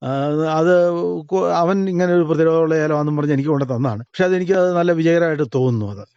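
A man's voice: fairly high pitch, very fast, a little mellow, clean tone, no echo, dull audio. An Idukki-accented Malayali cardamom farmer explaining his crops in a radio interview, practical and plain. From Kerala. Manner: practical, explanatory, with small restarts.

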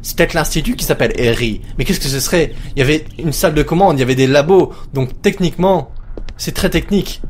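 A man commentating a horror game as he plays it, jokey and excitable, talking to himself. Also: fairly high pitch, fast talker, a little hiss or hum. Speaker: let's play host.

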